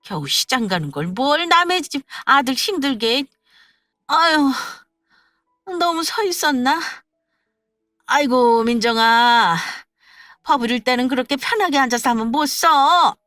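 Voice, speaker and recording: A petty older mother-in-law, put on by a woman reading a story, nagging in a high, shrill voice that climbs as she scolds. The sound is dry and close. Faint music plays underneath. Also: lively intonation, measured pace, sharp tone, no echo, heavily acted.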